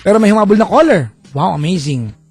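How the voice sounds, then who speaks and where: A man hosting a late-night radio call-in show, playful and teasing, talking in an animated way. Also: high-pitched, quick pace, soft background music.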